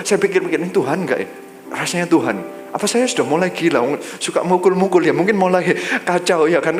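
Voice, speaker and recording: A male pastor, telling a personal testimony in a sermon, lively and drawn-out when he quotes. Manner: lively storytelling, drops low and slow when quoting God.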